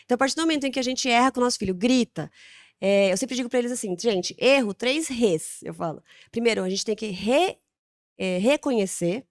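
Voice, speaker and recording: A Brazilian woman talks fast and in a slightly high voice as a podcast guest. She answers in animated, casual talk, acting out little dialogues with her children. The sound is close and dry. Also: no echo. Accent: Brazilian Portuguese.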